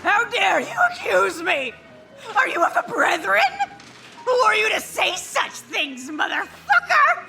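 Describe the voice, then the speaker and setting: Fanatical street preacher, slow drawn-out accusations, creaky edge, horror radio play, music underneath. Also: female voice, very high voice, sing-song, bright, forceful tone, heavily acted, low-quality recording. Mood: furious, fanatical. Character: ranting crazed hellfire street preacher woman, dirty, fanatical. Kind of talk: audio horror drama acting.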